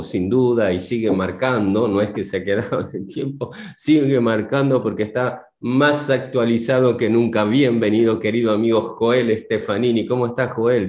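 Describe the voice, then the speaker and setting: A man's voice: fairly low pitch, echoey room. An older man with a Rioplatense Spanish accent, a reverend hosting a friendly studio interview at a desk mic, speaking affectionately to his guest. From Argentina. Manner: warm, affectionate toward guest. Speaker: host, reverend. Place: studio with purple-lit backdrop. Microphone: desk podcast mic.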